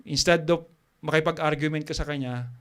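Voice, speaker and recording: Man preaching a halting sermon. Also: a little high, fairly even intonation, a bit bright, smooth. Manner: halting, many fillers and restarts, asks the congregation questions.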